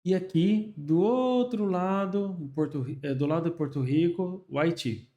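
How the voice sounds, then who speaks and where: A man's voice: a little high, a little slow, warm tone, highs cut off. A man from Brazil with a Brazilian Portuguese accent, a curious, chatty podcast host who talks with lots of fillers. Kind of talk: conversational interview.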